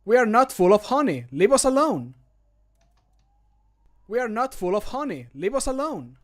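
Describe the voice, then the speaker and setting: Man acting a frightened pleading adventurer, high-pitched. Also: big pitch swings, moderate pace, a bit bright, heavily acted. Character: scared man pleading with bears, game follower. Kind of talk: game mod voice acting.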